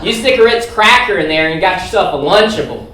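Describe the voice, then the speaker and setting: A man from Alabama with a Southern accent, doing a punchy stand-up comedy set to a crowd with loud bursts. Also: high-pitched, lively intonation, quick pace. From Alabama, USA. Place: comedy theater stage. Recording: echoey theater recorded from far off, noisy.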